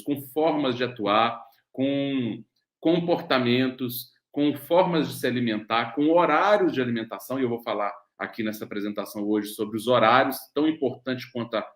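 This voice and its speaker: Speaking in an echoey room, a man with a Brazilian Portuguese accent and a medium-pitched, fairly bright voice leads a weight-loss mentoring lecture as a doctor. He patiently explains things, frequently asking "né?" and posing rhetorical questions.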